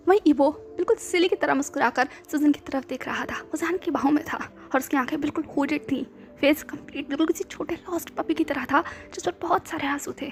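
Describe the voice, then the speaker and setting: A woman reads her own romantic story in a soft, high voice that often drops near a whisper. She blends English words into the narration. Quiet music plays under her reading. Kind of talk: scripted fan-fiction narration.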